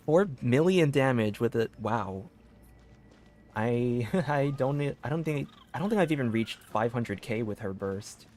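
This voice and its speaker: A man's voice: mid-range voice, lively intonation, a little slow, darkish tone, slight background noise. A man casually commentating on a live game stream and reading bits of on-screen text aloud. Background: game music.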